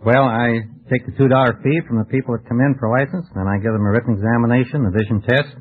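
A man's voice: mid-range voice, steady tone, fast talker. An American man, a contestant on a radio quiz, giving plain, casual answers about himself. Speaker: quiz show contestant, motor vehicle department clerk. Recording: muffled tinny old radio broadcast.

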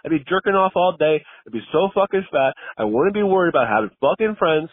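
A man's voice: a little high, lively intonation, quick pace, slightly rough, no echo. A man leaving a voicemail over the phone, a casual rant that is blunt and full of swearing. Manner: profane, blunt. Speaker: voicemail caller. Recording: tinny, narrow phone voicemail.

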